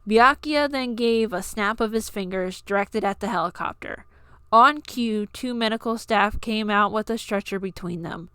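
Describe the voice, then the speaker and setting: A woman's voice: medium pitch, normal speed, sharp tone, clean tone, no echo. A woman reading scripted fiction aloud as an amateur audiobook narrator.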